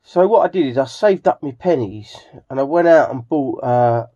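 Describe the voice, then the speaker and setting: A middle-aged man with an English accent gives a casual, rambling vlog narration in a halting, hesitant manner. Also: mid-range voice, animated, warm tone. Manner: halting, hesitant, with frequent throat clearing. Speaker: hobbyist video host. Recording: slightly dull home recording.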